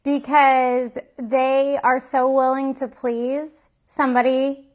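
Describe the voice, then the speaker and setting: A woman's voice: sits high, flat delivery, slow. A woman in her twenties speaking frankly and matter-of-factly in a documentary interview. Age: 20s.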